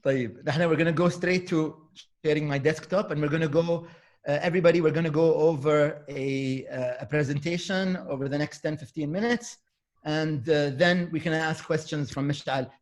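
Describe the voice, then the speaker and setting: A man hosts an online talk from his computer, introducing his guest and moving through slides. His voice sits somewhat high for a man, and he speaks loosely, with fillers and a few Arabic words mixed in. The sound is plain computer-mic audio on a video call. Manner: relaxed, halting with fillers, mixes in Arabic words. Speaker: host.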